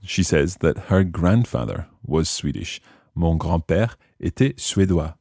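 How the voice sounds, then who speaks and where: A man's voice: low-pitched, slow, creaky, darkish tone, no room sound, clean studio sound. A man hosting a language lesson, explaining and repeating phrases for learners in scripted teaching narration.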